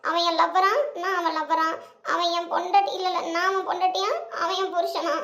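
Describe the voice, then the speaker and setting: A woman's voice: very high-pitched, little pitch movement, a little fast, over loud music. A woman playing a sulky, stubborn young office worker who talks in a playful, giggling way in a romance skit. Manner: playful, sing-song, giggling. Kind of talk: Tamil comedy romance skit. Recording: echoey room.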